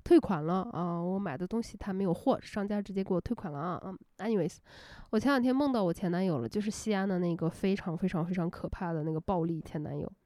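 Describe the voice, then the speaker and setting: A woman hosting an unscripted casual rant, telling stories in an animated way, laughing often and dropping English words into her talk. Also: fairly low pitch, no room sound, studio quality. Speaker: host.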